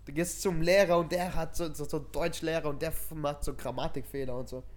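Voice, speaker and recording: A man's voice: on the high side, steady tone, quick pace. A young man co-hosting a podcast whose first language is Portuguese, talking in casual slangy banter and laughing a lot. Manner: slangy, laughs a lot, says "Alter" and "Bruder". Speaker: podcast co-host.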